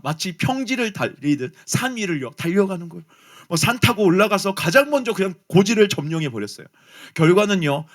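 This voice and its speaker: Animated high-voiced Korean pastor. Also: male voice. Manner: animated storytelling, addresses listeners directly. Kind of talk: youth sermon with personal story.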